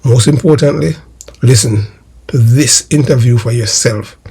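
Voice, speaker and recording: A man's voice: medium pitch, moderate pace, gravelly, a little mellow, husky. A Jamaican man delivering emphatic political commentary to his viewers in a declamatory way, repeating phrases for emphasis. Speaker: host of a political history video channel.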